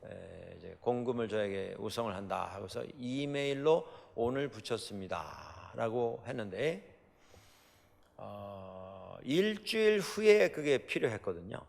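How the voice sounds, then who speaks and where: A man's voice: lowish voice, animated, unhurried, creaky. A middle-aged Korean man from Chungcheong preaching a sermon as pastor, telling stories with many fillers and rhetorical questions. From South Korea. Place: church sanctuary. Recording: hall reverb.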